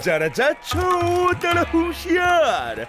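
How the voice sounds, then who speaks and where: A man's voice: very high-pitched, wildly swooping pitch, unhurried, music in the background, exaggerated voice. A man playing a suspicious, pompous police inspector in a cartoon dub, theatrically drawing out words. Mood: suspicious, officious.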